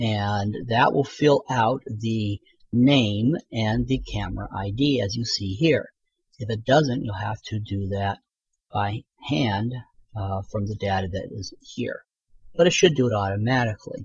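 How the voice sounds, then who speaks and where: Fairly low in pitch and somewhat breathy, a man talks at a fairly slow pace with ordinary pitch variation. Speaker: product reviewer. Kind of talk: tutorial.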